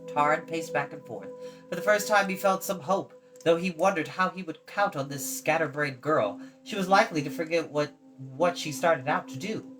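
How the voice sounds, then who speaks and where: A woman's voice: sits low, normal speed, music in the background, low-quality recording. A woman reading a story aloud as narrator, with casual asides. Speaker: storytime reader.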